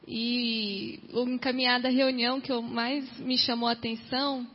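A woman's voice: fairly high pitch, little pitch movement, normal speed. A woman from the congregation sharing her reflection on the sermon, hesitant and full of tag questions. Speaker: congregation member. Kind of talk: sharing a reflection at a church meeting. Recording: dull, reverberant hall recording.

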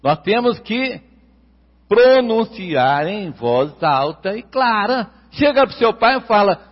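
A man's voice: high voice, big pitch swings. Brazilian male preacher, emphatic sermon delivery, muffled lo-fi recording with a long hall reverb. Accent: Brazilian Portuguese. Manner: emphatic, repeats key words, stretches them slowly.

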